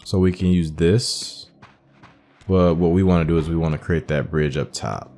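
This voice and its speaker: Deep-voiced man doing gameplay commentary. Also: moderate pace, dark tone. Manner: thinking aloud, explanatory. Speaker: gaming host. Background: game audio with faint music.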